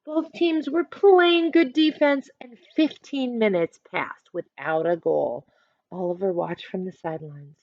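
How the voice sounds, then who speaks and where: A woman's voice: medium pitch, a little slow, vocal fry, darkish tone, no room sound, muffled recording. A woman teacher reading a picture book aloud expressively, adding instructive asides and questions for listeners.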